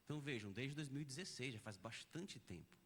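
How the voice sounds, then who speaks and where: A man's voice: medium pitch, lively intonation, fairly quick, a bit bright, slightly rough. Brazilian man lecturing in a reverberant hall. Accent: Brazilian Portuguese. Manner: didactic, explains step by step with examples. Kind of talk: academic conference lecture. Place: conference auditorium.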